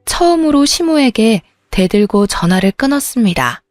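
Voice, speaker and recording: A woman's voice: a little high, sing-song, moderate pace, a little mellow, no echo, clean studio sound, faint music behind. A woman narrating a first-person family story in a radio-style reading, with a plaintive, confiding manner.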